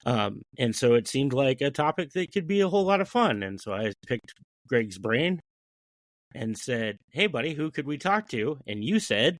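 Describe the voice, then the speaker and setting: Man, mid-pitched voice, dry sound, podcast host, searching for words. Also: big pitch swings, moderate pace, no echo. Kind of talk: podcast introduction.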